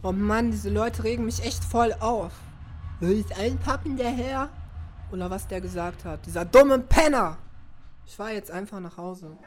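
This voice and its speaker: A woman's voice: medium pitch, moderate pace, lightly acted. A woman playing a fed-up, anxious trans woman in a radio play, muttering slangy, exasperated thoughts to herself. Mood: angry. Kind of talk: inner-monologue radio play, colloquial. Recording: roomy, distant, music behind.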